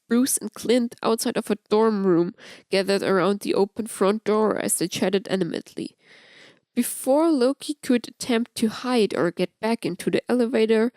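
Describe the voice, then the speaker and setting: A woman's voice: medium pitch, darkish tone, dry recording. Woman narrating a story, dry recording. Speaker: audiobook narrator. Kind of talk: scripted story narration of fan fiction.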